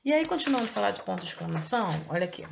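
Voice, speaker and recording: Gravelly woman teaching children. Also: mid-range voice, very animated, slight background noise. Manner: didactic, drawn-out emphasis, checks in with "ok?" and "tá?". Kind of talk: online review lesson for children.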